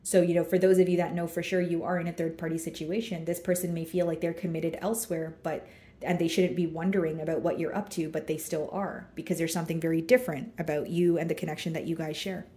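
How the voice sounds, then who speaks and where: A woman reads tarot in a relaxed, chatty way, filling pauses with likes and you knows as she turns each card. Her voice sits a little low and sounds mellow. The room gives it a noticeable echo. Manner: relaxed and chatty, many fillers, talking through cards as she draws them. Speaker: tarot reader. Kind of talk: casual tarot reading to camera.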